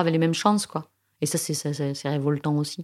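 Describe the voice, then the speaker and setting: A woman's very deep, low pitch in a very clean recording with a silent background. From Aveyron, southern France. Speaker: scientist. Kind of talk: interview.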